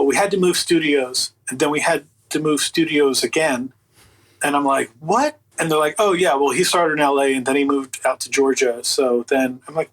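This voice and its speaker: This audiobook producer, appearing as an interview guest, has a slightly high, husky male voice, and the recording quality is low. His casual, animated storytelling plays both sides of remembered exchanges, coloured by incredulity and sarcasm.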